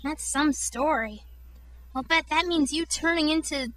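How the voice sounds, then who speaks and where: A woman's voice: sits high, unhurried, a bit bright, no echo. A woman voicing an earnest, brainy, plucky little boy fox in a boyish manner, as a video game character audition. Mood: concerned.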